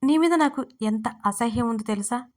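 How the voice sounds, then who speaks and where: This is a firm young wife in an audio drama story, blunt and cold with a sarcastic edge, as a woman narrator reads her. Her voice is fairly high and steady. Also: normal speed, close to an everyday voice. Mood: scornful.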